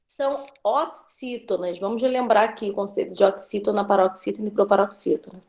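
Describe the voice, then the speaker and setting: A woman's voice: medium pitch, fairly even intonation, brisk, gravelly, darkish tone. A woman teacher giving an online class, patiently drawing out words as she drills syllables.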